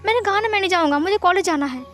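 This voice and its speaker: A woman's voice: very high voice, brisk, faint music behind. A woman voicing a fragile, shy young man who stammers through flustered denials.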